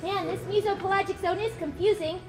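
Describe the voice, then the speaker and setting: A woman's voice: extremely high pitch, brisk, soft background music. A woman puppeteer voicing a lost, eager young whale in a live puppet show. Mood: worried. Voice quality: bright, excitable. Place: stage in a hall.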